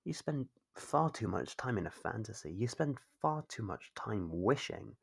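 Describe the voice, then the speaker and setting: A performer acting out an obsessive stalker for an ASMR roleplay, in a husky, gravelly voice of middling pitch. The captor coaxes and chides like a doting owner, possessive and smug, drawing out teasing little questions. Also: sing-song, full character voice. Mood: scolding, possessive. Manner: coaxing, chiding, drawn-out teasing questions. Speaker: voice actor.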